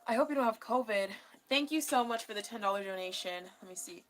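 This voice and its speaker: A woman's voice: a little high, quick pace, fairly bright tone, faint music behind. A young adult American woman hosting a casual live stream, talking in an informal, rambling way. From California, USA. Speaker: livestream host. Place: small decorated bedroom, indoors.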